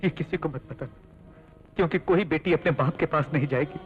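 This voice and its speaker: An actor playing a loyal younger brother in a dubbed film, earnest and emotional. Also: male voice, fairly high pitch, a little fast, lightly acted. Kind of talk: Hindi film dub. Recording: tinny dubbed audio with music.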